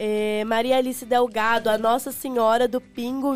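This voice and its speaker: A woman speaks at a high pitch and a fairly slow pace. The recording is very clean, with a silent background. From Nuporanga, interior of São Paulo state. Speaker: podcast co-host.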